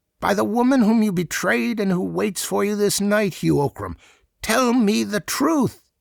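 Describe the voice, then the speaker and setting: In a very clean recording with a silent background, a man does a high-pitched put-on character voice at a moderate pace and very even loudness. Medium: read story.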